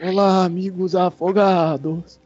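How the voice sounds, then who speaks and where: A man reading a fan letter aloud in a put-on mock Italian accent, slow and drawn out. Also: sits high, little pitch movement. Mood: hammy. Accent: mock Italian put on over Brazilian Portuguese. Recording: muffled podcast audio with faint music.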